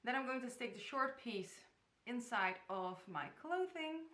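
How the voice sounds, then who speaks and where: A woman's voice: fairly high pitch, expressive, measured pace, bright, forceful tone. A young woman from the Netherlands, chatty and giggly, showing hijab styles to camera in her bedroom. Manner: chatty, giggly, stumbles over place names. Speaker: hijab tutorial vlogger. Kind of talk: casual tutorial talk to camera. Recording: echoey bedroom.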